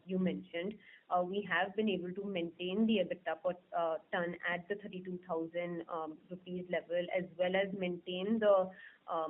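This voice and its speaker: A man answering business questions as a company executive, unscripted and formal, with hesitant pauses. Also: sits high. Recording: narrow, muffled phone conference line.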